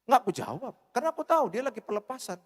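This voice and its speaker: A male pastor delivers a sermon in a humorous, animated way. His voice sits high and swings widely in pitch. The sound carries the long reverb of a church hall. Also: racing.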